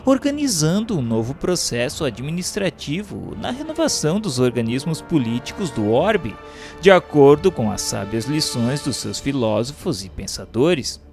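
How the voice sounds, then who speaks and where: A man's voice: medium pitch, big pitch swings, moderate pace, darkish tone. Solemn Brazilian male narrator over music. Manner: grave, formal, dramatic declamation. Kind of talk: solemn scripted radio narration of spiritist history.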